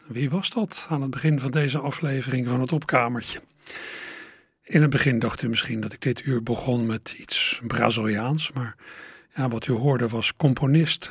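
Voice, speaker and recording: A husky male radio host introduces songs from a studio microphone, his speech musing and broken by hesitant fillers. The sound is close and dry, with no room around it. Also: medium pitch, no echo. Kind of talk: music radio presenting.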